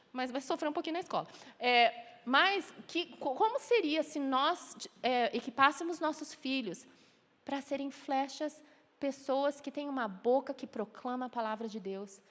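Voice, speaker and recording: A woman's voice: high voice, fairly bright tone. A woman preaching a sermon in Brazilian Portuguese, telling a story and acting out the voices in it. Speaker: preacher and children's Bible teacher. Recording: church hall with long reverb.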